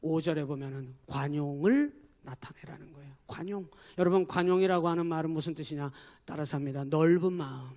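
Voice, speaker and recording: A man's voice: fairly high pitch, fairly quick, darkish tone. A man preaching a sermon as pastor, emphatic and forever addressing the congregation. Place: church.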